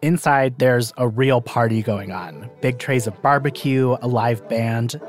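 A man's voice: medium pitch, unhurried, soft background music. A man hosting and reporting a podcast, narrating a documentary story in a conversational, lightly self-deprecating way.

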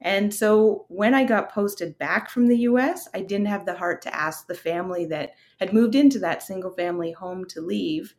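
A woman's voice: mid-range voice, normal speed, hardly any pauses, darkish tone. A woman from Canada in her thirties, a guest on an interview, telling her career story in a casual, open way with fillers. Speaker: guest, real estate investor.

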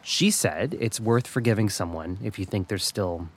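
An actor playing a hurt, sarcastic young gay customer-service rep with a halting, passive-aggressive way of talking in an audio comedy-drama. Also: male voice, lowish voice, a little hiss or hum, natural voice. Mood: unsettled, reflective.

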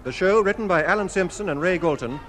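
A male announcer reading the closing credits of a 1950s radio comedy in a measured, formal way. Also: high-pitched, fairly bright tone. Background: theme music.

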